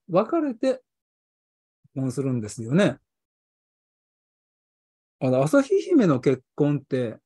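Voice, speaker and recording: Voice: medium pitch, darkish tone, slightly rough, no echo, clean studio sound. A history channel host with a Kansai accent, chatting casually on a livestream, rambling and chuckling often.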